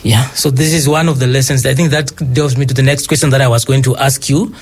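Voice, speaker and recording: A man interviewing a guest, asking halting, rambling questions and backchanneling often. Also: mid-range voice, fairly even intonation, slight background noise. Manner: halting, restarts questions, frequent mm-hmm.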